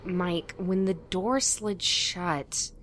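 A woman's voice: lowish voice, drawn-out words, background noise. A woman playing an eager, earnest young woman who believes in ghosts and plays along politely. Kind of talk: audio drama acting.

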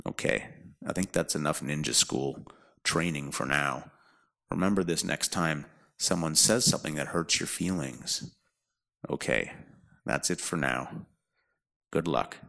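A man gently guiding young children through a calm grounding exercise, instructing them directly as a narrator. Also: very deep voice, vocal fry. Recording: music bed under the voice. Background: music.

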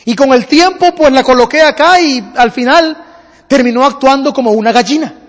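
A man's voice: very high voice, normal speed. A man preacher voicing a skeptical male farmer who dismisses the idea with repeated refusals. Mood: matter-of-fact. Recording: long hall reverb.

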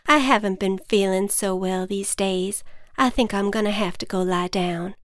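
A woman voicing a polite, gentle farm wife who has fallen ill, in a children's storybook. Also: mid-range voice, steady tone, normal speed, no echo, clean studio sound, close to an everyday voice.

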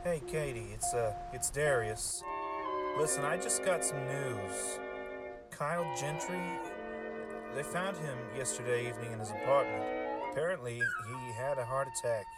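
A woman's voice: a bass voice, animated, normal speed, loud music behind the voice. A woman playing a bossy young friend who leads an occult game in a horror audio drama. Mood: grave, subdued.

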